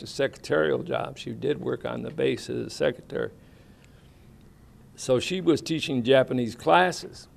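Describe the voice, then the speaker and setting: A man's voice: mid-range voice, vocal fry. An older American man, a military veteran, recalling his years overseas in a rambling, plainspoken way with folksy grammar and many fillers. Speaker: veteran interviewee. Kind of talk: oral history interview, casual recollection.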